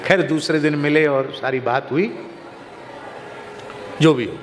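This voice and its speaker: High-voiced man preaching in a reverberant hall. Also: slow. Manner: storytelling, lively anecdotes. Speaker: katha preacher. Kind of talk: religious discourse. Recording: reverberant hall, faint noise.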